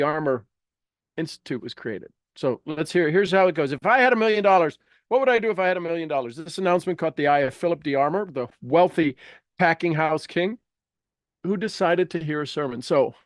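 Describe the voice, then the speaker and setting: A man's voice: a little high, no room sound, clean studio sound. A man giving an informal, emphatic motivational lesson, reading aloud and breaking off into rambling asides, often repeating phrases for effect. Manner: rambling, self-interrupting. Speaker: motivational teacher reading and commenting on a self-help book. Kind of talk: informal live teaching with read-aloud passages and asides.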